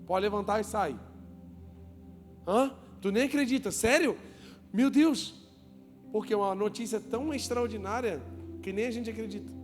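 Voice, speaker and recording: A pastor preaching a lively sermon to his congregation, joking with them, asking them questions and calling for applause. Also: high voice, moderate pace, pauses often. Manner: joking, asks the crowd questions and calls for applause. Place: church hall with a congregation. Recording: long church reverb, music behind.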